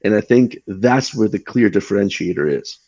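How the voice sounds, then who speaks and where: A man, a tech recruiter, giving casual interview advice in quick runs with frequent restarts and repeated words over a video call. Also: fairly low pitch, expressive, vocal fry, a little mellow, dry recording, highs cut off. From Canada.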